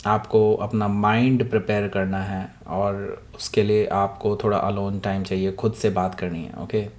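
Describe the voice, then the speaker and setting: A man gives a casual tarot reading, mixing in English phrases and many fillers, his throat sore and husky today. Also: lowish voice, flat delivery, measured pace, a little mellow. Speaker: tarot reader.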